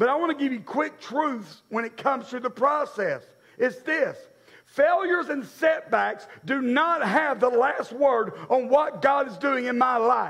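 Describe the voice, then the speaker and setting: A man with a Tennessee accent, extremely high-pitched, at a fairly slow pace, with ordinary pitch variation. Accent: Southern US (Tennessee). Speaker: pastor. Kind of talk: sermon. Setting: church with congregation. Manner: animated.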